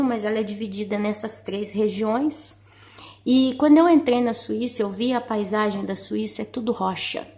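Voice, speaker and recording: A woman's voice: a little high, darkish tone. Emphatic Brazilian woman preaching a sermon. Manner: emphatic, repeats words for stress, drops to whispers.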